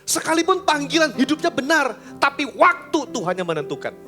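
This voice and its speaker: Man, pastor's sermon, high voice, faint instrumental music behind. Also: fairly quick. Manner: lively, colloquial, acts out voices with big swings in pitch and volume. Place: church service.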